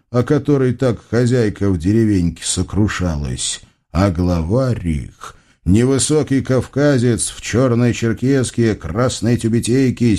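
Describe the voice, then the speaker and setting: A man's voice: fairly low pitch, warm tone. Guy reading a fairy tale, playful and colorful, voice goes way up and down. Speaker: storyteller. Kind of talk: expressive story narration.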